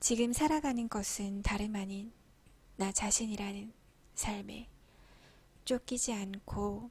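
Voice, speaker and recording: The speaker is calm and somewhat breathy, with fairly even intonation. The pace is very slow. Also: woman. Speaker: audiobook reader. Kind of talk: audiobook reading of an essay book, ASMR-style. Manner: soft, calm, slow.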